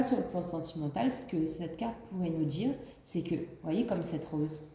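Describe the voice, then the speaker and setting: Woman w/ the flu doing a card reading, lowish voice, lots of ums and restarts. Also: warm tone, reverberant, slight background noise. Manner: rambling, many fillers and restarts. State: has the flu. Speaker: card reader. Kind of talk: casual spiritual card reading.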